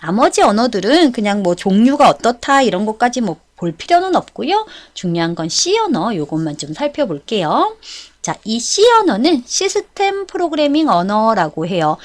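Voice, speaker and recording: Lady teaching an exam prep lecture, highish voice, really animated pitch, explains stuff step by step. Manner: didactic, step-by-step, polite spoken register. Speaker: instructor.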